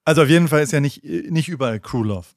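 A man's voice: a little high, animated, quick pace, no echo, clean studio sound. Rambling man. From Kurpfalz, Germany. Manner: rambling, laughing storyteller. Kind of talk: casual chat.

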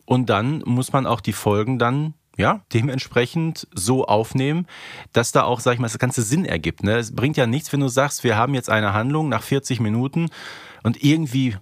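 A man's voice: medium pitch, normal speed, no echo, clean studio sound. A middle-aged man from Germany chatting casually as a podcast co-host. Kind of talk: casual conversational podcast talk.

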